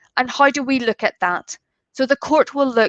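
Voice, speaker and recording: A woman with an Irish accent speaks with ordinary pitch variation, her voice dry and close with no echo. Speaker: family lawyer. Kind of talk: lecture.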